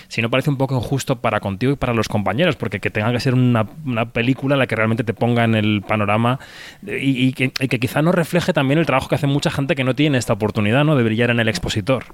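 A man hosts a film podcast interview, asking long, carefully built questions. His voice is low, and he speaks at a quick pace.

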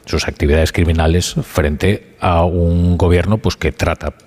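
A male radio host leading a live news discussion, measured and hesitant, often pausing with fillers. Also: deep voice, steady tone, a little mellow.

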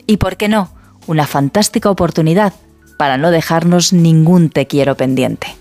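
A woman reading a heartfelt reflective piece for a radio show. Her voice is low, and she lays out her points in a measured, list-like way over faint music. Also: warm tone. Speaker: radio contributor. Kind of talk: read reflective commentary.

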